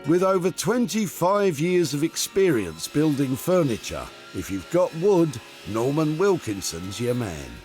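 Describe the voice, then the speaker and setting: Playful lively male TV narrator. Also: fairly high pitch, measured pace, hardly any pauses, faint music behind. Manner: playful and teasing. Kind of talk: scripted TV narration.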